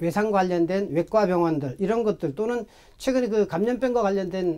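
Over a quiet background, a man talks with a high pitch. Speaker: guest. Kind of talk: interview answer. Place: studio. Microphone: lapel.

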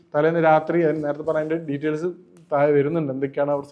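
A man, using a normal speaking voice, talks with a fairly high pitch. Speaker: doctor. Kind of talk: health explainer talk. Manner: informal, repetitive.

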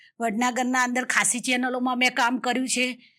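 A woman's high-pitched voice, bright and sharp in tone, on a very clean recording with a silent background. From Gujarat, Mehsana. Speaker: YouTube comedy actress. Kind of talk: life story testimony.

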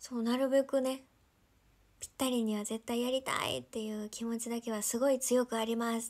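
Her voice is fairly high. This woman speaks in a monotone, flat intonation. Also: moderate pace. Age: 20s. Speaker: live streamer. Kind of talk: casual chat. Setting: live stream. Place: home room. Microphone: phone near.

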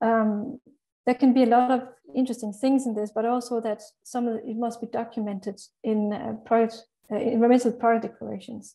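A fairly high-pitched woman with a Danish accent, a dark, mellow tone, monotone, flat intonation and a fairly quick pace. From Denmark. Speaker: sustainable construction development manager; presenter. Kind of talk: webinar presentation. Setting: video call. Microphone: video call.

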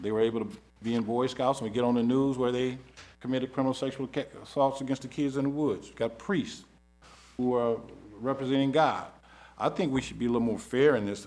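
With music in the background, a man speaks very fast at a medium pitch and with fairly even intonation. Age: 60s. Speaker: city council member. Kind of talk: council meeting debate. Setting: council chamber meeting.

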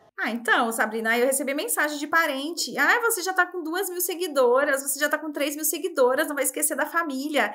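Against a quiet background, a woman speaks in a raised, projected voice at a high pitch and fairly quick pace, with ordinary pitch variation and hardly any pauses. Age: 40s. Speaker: online accessories seller. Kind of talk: interview. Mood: warm, smiling. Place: home room.

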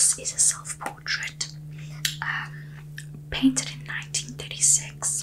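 A woman whispering. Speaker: presenter. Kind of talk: casual presentation. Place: home room.

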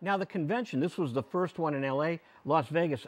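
Here is a man with an ordinary speaking voice and a fairly high pitch. His intonation is lively and his pace moderate. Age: 50s. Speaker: cable access show host; radio show host. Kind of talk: interview. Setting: studio. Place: studio.

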